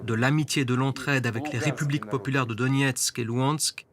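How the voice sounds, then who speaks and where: A man voicing a stern male head of state in a documentary dub. He delivers a formal official address at a middling pitch, with crowd sound behind. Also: fairly even intonation, fairly quick, natural voice. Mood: formal, solemn. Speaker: voice-over dubbing artist.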